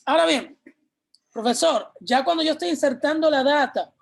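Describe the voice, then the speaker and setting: In a very high-pitched voice with vocal fry, speaking at normal speed, a man leads a live programming class about code on screen. He walks through it step by step, answering the questions he raises himself.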